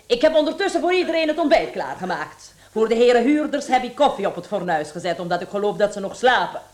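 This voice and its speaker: A woman's voice: a little high, big pitch swings, fast. An actress playing a fearless, chatty charwoman with a sly, cheeky manner in a radio drama. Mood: servile, cheeky. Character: brash, chuckling, fearless charwoman with a sly streak.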